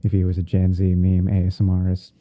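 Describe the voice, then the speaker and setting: Deep voiced guy doing asmr stream, slowly talking himself thru edits, sounds muffled like over a phone. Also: monotone. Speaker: streamer hosting a roleplay. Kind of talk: ASMR livestream, narrating photo editing step by step. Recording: muffled phone-like band-limited audio.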